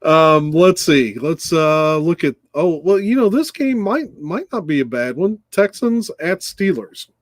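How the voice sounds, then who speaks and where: A man's voice: on the high side, lively intonation, unhurried, few pauses, no room sound. Laid-back guy co-hosting, lots of ums and chuckles, dry sound. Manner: easygoing, hesitant, chuckling. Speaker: co-host of a football picks show. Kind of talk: casual sports chat.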